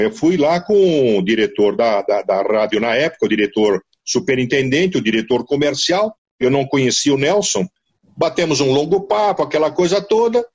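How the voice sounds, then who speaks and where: An older man with a Paulistano accent from Mooca, a veteran radio broadcaster, telling stories in a lively casual interview. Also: breathy edge, highs cut off. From São Paulo, Brazil. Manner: animated storyteller, leaps in pitch for emphasis. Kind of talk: casual storytelling interview over an online call.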